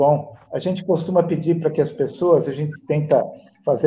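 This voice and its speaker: The voice is somewhat breathy with a dark, mellow tone, moving at a fairly slow pace. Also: man. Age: 60s. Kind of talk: online interview. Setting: live video stream. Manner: halting, many fillers.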